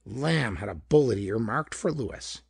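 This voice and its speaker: A man narrates hardboiled crime fiction like an audiobook, his voice rough with fry and husk. His pitch swings expressively as he tells it dramatically. The sound is close and dry. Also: expressive, unhurried, no room sound. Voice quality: gravelly, husky. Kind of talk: scripted narration of hardboiled pulp detective fiction.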